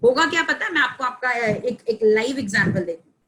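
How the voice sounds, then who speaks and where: A woman's voice: a little high, animated, brisk, a bit bright, low-quality recording. A woman trainer giving an online training session over a headset, explaining in a conversational way, mixing in English and asking the audience questions. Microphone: headphones on a video call.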